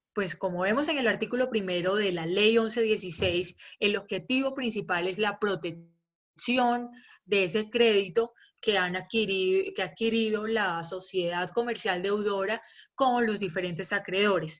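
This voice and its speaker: A woman with an ordinary speaking voice, medium in pitch, at a fairly slow pace with ordinary pitch variation. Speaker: law professor. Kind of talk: lecture.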